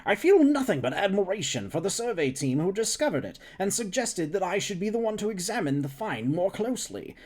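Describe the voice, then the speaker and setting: Male reader doing a high, know-it-all alien scientist; chatty, lecturing. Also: very animated, a little fast, few pauses, a little mellow. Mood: eager lecturing. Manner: rambling, lecturing. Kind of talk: reading a novel aloud on a stream.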